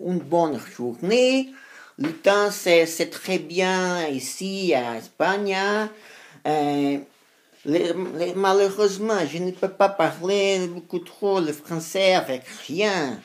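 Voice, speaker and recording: A woman who is a non-native beginner in the language, talking unscripted to practice for a channel, halting and repeating phrases as she searches for words. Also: lowish voice. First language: not French. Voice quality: non-native, beginner French with frequent errors. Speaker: language learner making practice videos for own channel.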